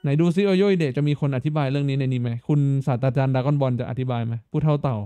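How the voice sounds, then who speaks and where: Soft music plays behind a man talking at a racing clip in a smooth, dark, medium-pitched voice with a steady tone. It's casual live-stream chatter during gameplay: he thinks aloud, stammers, repeats words and keeps asking his audience questions.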